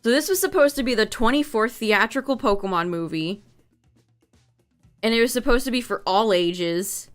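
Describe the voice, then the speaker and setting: Young woman streamer, voice going hoarse. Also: fairly high pitch, moderate pace, soft background music. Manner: chatty, reading out notes with asides. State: losing her voice. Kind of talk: casual livestream chat to viewers.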